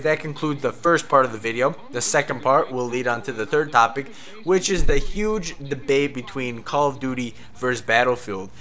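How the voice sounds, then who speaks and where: A man's voice: medium pitch, bright, forceful tone, slight background noise. A young man talking over gameplay footage as a game commentator, casual and frank, swearing when he gets frustrated. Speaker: gaming commentator.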